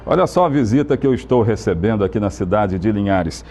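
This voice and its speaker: A Brazilian man hosting a live TV show and interviewing a guest, in lively presenter patter. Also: fairly low pitch, fast, soft background music. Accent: Brazilian Portuguese. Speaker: TV show host.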